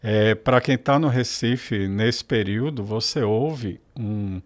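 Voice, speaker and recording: A man's voice: fairly low pitch, slow. A man, a guest on a podcast, talking in a reflective, rambling way and correcting himself as he goes. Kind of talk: casual podcast conversation.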